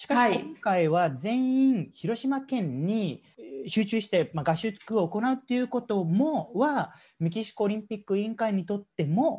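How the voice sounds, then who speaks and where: A high-pitched man with a dark, mellow tone makes very wide pitch swings. His loudness swings a lot against a quiet background. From Mexico, Guadalajara. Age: 30s. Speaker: interpreter and cultural coordinator. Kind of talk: interview. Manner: polite, many fillers.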